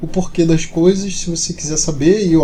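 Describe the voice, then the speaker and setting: The man speaks fairly quickly, his pitch fairly high. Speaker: math teacher. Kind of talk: lecture. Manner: casual.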